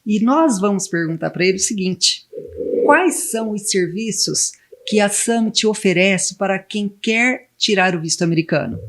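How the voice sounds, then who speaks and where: A woman's voice: medium pitch, animated, moderate pace, fairly bright tone. A woman with a Brazilian accent, interviewing conversationally as a podcast host.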